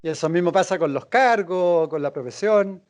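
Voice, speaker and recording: A man hosting a reflective conversation, calm and affirming, with small hesitations as he builds on his guest's points. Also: high-pitched, moderate pace. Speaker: host.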